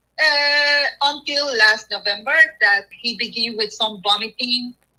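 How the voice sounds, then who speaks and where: Speaking at a fairly slow pace, a woman with a Puerto Rican accent has a fairly high pitch and ordinary pitch variation. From Puerto Rico. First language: Spanish. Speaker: pet owner caller. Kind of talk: question to experts.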